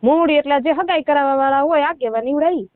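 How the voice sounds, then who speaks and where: A woman's voice: high-pitched, fast, no echo. A woman with a rural Saurashtra Gujarati accent giving a rambling, colloquial personal account over a muffled phone call. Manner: colloquial, rambling storytelling with reported dialogue. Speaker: caller seeking help with a marital dispute. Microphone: telephone.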